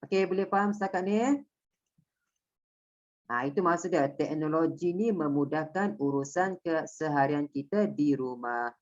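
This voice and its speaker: A woman's voice: low voice, moderate pace, a little mellow, lo-fi sound. A woman teacher with a Malaysian Malay accent, explaining a lesson step by step and checking that her pupils understand. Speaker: primary school Malay teacher. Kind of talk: online class lesson.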